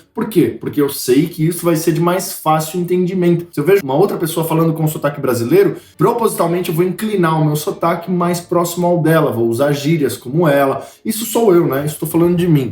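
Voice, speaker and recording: A high-pitched man's voice with ordinary pitch variation at a fairly quick pace. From Brazil. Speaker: YouTuber, Brazilian immigrant in Portugal. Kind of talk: casual talk to camera.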